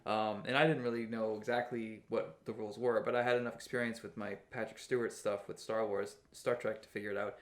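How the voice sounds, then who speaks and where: A man's voice: fairly low pitch, level tone, fairly quick, hardly any pauses, echoey room. A man co-hosting a podcast, telling rambling anecdotes in casual chat and laughing at his own jokes. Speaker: co-host, comic book artist.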